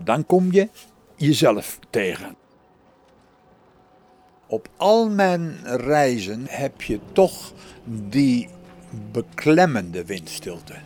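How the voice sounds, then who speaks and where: A man who sailed alone, speaking slowly and thoughtfully with pauses in a reflective documentary interview. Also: medium pitch, a little mellow. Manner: slow, thoughtful, with pauses and hesitations. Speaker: solo sailor.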